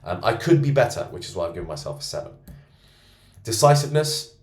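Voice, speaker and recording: Deep-voiced boastful man in roomy echo. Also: big pitch swings, fast talker, darkish tone. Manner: boastful and self-assured. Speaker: men's self-improvement coach. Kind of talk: self-rating monologue to camera. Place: co-working space.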